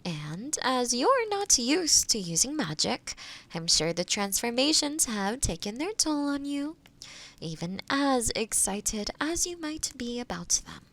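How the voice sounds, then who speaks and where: A gentle, solitary witch of the woods voiced by a woman talks to the listener in a fantasy audio roleplay. Her voice is fairly high and soft, with a breathy edge and plenty of creak. She takes her time, choosing formal, old-fashioned words with curious, thoughtful courtesy. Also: sing-song, a little slow, heavily acted. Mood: warm, welcoming.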